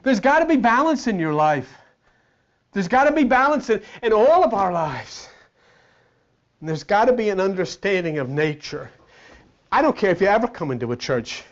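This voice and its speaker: A man preaching a blunt, fiery sermon, swinging between loud exhortation and hushed asides. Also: sits high, big pitch swings, normal speed, long pauses. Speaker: spiritual teacher. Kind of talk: sermon-style lecture. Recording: dull lo-fi recording.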